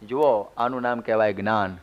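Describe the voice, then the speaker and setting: Male monk, sermon delivery, folksy storyteller, smooth clear tone, muffled lo-fi recording. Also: fairly low pitch, steady tone, a little fast. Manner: storytelling, homely humorous asides. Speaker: monk giving a religious discourse. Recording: dull lo-fi CD recording.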